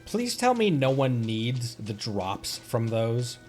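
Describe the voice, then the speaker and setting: A streamer chatting casually over a game, with an animated, exclamatory delivery. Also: medium pitch, takes it slowly, faint music behind. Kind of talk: casual game livestream commentary.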